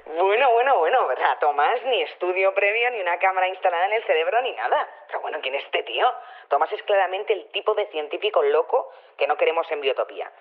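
A woman's voice: on the low side, expressive, fast talker. Chatty woman on a thin phone line. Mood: indignant. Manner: chatty, emphatic, repeats herself. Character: chatty, opinionated woman in charge of a utopian community. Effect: telephone filter. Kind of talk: improvised-sounding phone interview in audio drama.

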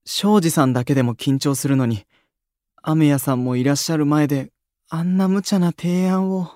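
A man's voice: fairly high pitch, moderate pace, a little mellow, no room sound, clean studio sound, close to an everyday voice. A man acting a timid, overly cautious young idol in an audio drama, hesitant and polite. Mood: anxious.

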